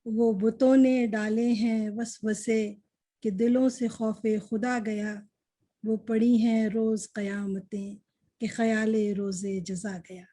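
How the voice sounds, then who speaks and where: A woman reciting poetry at a literary gathering, measured and repeating her couplets. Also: fairly high pitch, flat delivery, dark tone. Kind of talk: slow Urdu poetry recitation.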